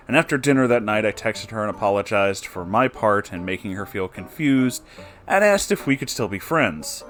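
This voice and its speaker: A man narrating a story as a host, in an expressive, jokey and casually sweary way with offhand asides. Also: medium pitch. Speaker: host reading submitted stories aloud.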